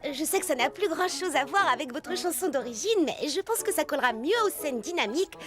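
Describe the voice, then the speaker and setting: A woman's voice: sits high, lively intonation, brisk, over loud music. A woman voicing an earnest, modest, friendly young girl in a children's cartoon dub.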